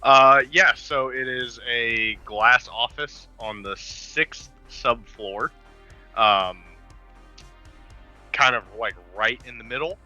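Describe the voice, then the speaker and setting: A man's voice: fairly low pitch, sharp tone. A man playing in a tabletop game, describing things in casual roleplay chat.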